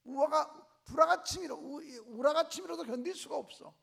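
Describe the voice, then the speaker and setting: A man's voice: very high voice, normal speed, vocal fry. A male pastor preaching a revival sermon in a church, telling stories and acting out the voices of church members. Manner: animated storytelling, voicing church members in dialogue. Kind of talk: revival sermon with acted-out anecdotes. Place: church sanctuary.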